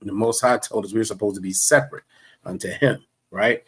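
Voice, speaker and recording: A man's voice: lowish voice, steady tone, brisk, husky. A man teaching a livestreamed religious class, in a preachy, repetitive way with many fillers and restarts.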